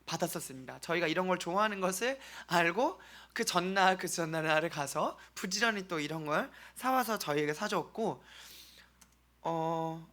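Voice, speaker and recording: A man from South Korea presenting an earnest mission-trip testimony to a congregation as a church member, speaking haltingly with pauses. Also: high-pitched, expressive, sharp tone.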